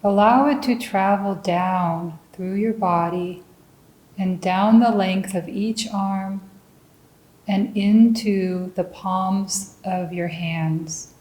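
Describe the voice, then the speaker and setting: Slow, mellow woman guiding meditation. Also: medium pitch, reverberant, rough recording. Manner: gentle, deliberate, with long pauses between short phrases. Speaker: meditation teacher. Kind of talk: guided meditation.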